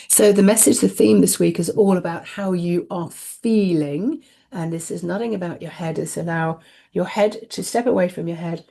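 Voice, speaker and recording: A woman with a deep, gravelly voice offers spiritual guidance while reading oracle cards. Her tone is dark and mellow, and she speaks softly and without hurry. She circles back over the same phrases again and again. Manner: soft, unhurried and repetitive, dwelling on phrases. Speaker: host and oracle card reader.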